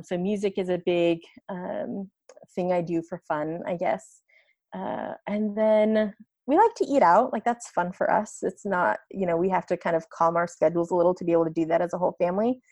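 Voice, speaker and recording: Lively, chatty woman with a lower voice. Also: no room sound. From United States. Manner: chatty, laughs often, animated. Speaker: guest. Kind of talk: casual interview chat.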